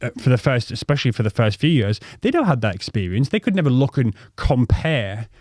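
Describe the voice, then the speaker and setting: A man's voice: mid-range voice, very animated, brisk, darkish tone, no echo, clean studio sound. A man in his thirties from North East England with a North East accent, co-hosting a podcast and telling life stories in a rambling, swearing way, full of ums and restarts. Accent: North East English. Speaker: podcast co-host. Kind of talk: casual storytelling chat.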